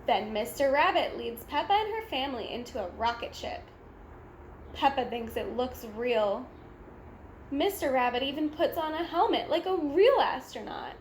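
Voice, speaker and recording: A woman reading a children's storybook aloud in a deliberate, simple way for young listeners. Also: high voice, expressive. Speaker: storybook read-aloud reader. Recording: echoey room with faint background noise.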